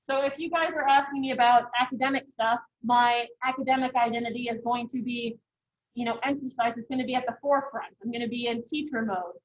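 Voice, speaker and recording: A high-pitched woman in her thirties teaching a college class in a loose, chatty way, filling her sentences with "you know" and "um". The recording sounds dull and lo-fi. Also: steady tone, brisk. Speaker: college instructor. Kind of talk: casual classroom lecture.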